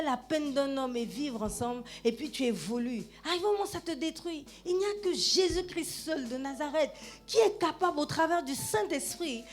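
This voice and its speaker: A woman pastor preaching a sermon in a church, talking straight to her listeners in a lively, conversational way, often tagging her phrases with "hein" and "amen". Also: high voice. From Gabon.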